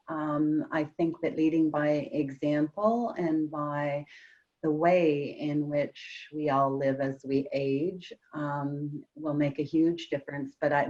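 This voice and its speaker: A woman making a relaxed, sincere comment on a video call. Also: low-pitched. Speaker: town hall participant. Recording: dull lo-fi audio.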